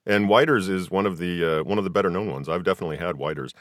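Low-pitched American man hosting, dry sound. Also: racing, no room sound. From Southern California, US. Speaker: podcast host. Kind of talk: casual conversational interview.

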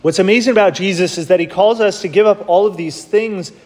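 A man's voice: high voice, fairly quick, a little mellow. A man serving as priest, reading the gospel and then preaching a homily in a plain, conversational way, heard in a church with a cathedral echo. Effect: cathedral echo, long church reverb. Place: large church. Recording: long reverb of a big church.

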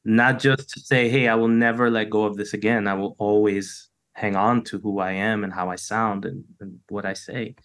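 A man's voice: on the low side, steady tone, moderate pace, few pauses, a bit bright. Thoughtful man on a video call. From United States. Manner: thoughtful, loose, many "you know" fillers and restarts. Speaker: poet, interview guest. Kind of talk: reflective conversational interview.

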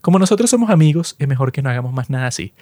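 A man's voice: rapid-fire, no room sound, studio quality. A man co-hosting a casual chat show, retelling scenes animatedly and acting out the characters. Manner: animated retelling, acts out scenes with raised pitch. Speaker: podcast co-host.

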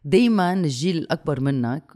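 A Lebanese speaker with a Levantine Arabic accent talks quickly in a mid-pitched voice. The chat is casual, with foreign loanwords dropped in and phrases repeated for emphasis. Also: animated, darkish tone. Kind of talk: casual conversation mixing in English and French loanwords.

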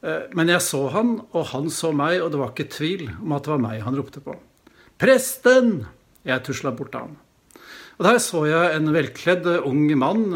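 A middle-aged male pastor telling a story in a sermon, reflective and hesitating now and then. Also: fairly high pitch.

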